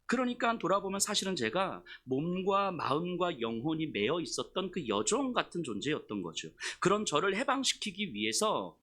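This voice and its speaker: A male pastor preaching a heartfelt, confessional sermon. His voice is bright and somewhat high, with a hugely lively, swooping pitch. He swings from quiet asides to sudden loud bursts. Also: moderate pace, few pauses. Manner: emotional, confessional storytelling; shifts between soft asides and loud outbursts.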